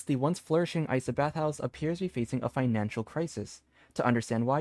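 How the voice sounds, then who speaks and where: A man with a medium-pitched voice hosts a game livestream. He talks in a casual, conversational way into a streaming mic, with faint game music playing behind him. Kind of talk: casual livestream chat and reading aloud. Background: soft game music.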